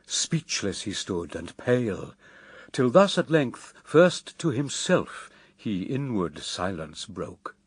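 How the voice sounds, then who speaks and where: A man narrating epic verse for radio drama in a grave, theatrical, measured manner. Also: fairly low pitch, very animated, husky, no room sound.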